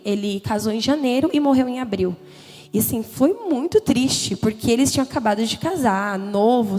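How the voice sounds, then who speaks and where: Telling her personal testimony to a church youth gathering, a young woman with a São lilt speaks in a slightly high voice. She's open and conversational, full of emotion, and says "né?" often. The big hall's long reverb carries her words above soft, faint music.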